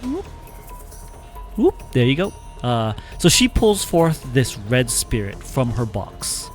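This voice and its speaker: A man narrates as game master, his pitch swinging up and down as he describes the scene. He stops often for little fillers and restarts. Soft music plays quietly behind him. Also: huge pitch swings. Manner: halting, filler-heavy narration. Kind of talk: narrating an online tabletop game.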